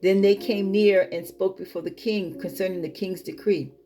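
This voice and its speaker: A woman's voice: medium pitch, steady tone, moderate pace, warm tone. A woman reading scripture aloud as a Bible teacher, breaking off into informal, emphatic comments of her own. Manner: colloquial, emphatic asides.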